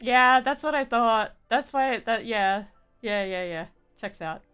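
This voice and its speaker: A woman's voice: on the high side, unhurried, a bit bright, soft background music. A woman livestreamer giving chatty, giggly, casual reaction commentary while playing a story game.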